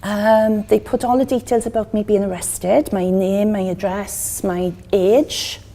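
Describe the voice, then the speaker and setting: Woman in her fifties, welsh accent, mellow voice, halting earnest speech. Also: mid-range voice, steady tone. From Wales. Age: 50s. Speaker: interviewee. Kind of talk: documentary interview.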